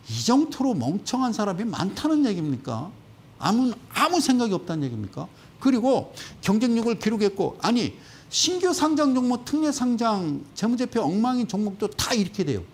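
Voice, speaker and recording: A man giving stock market commentary on a broadcast, animated and sarcastic. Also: high voice, creaky. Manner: animated, sarcastic, acts out quoted voices.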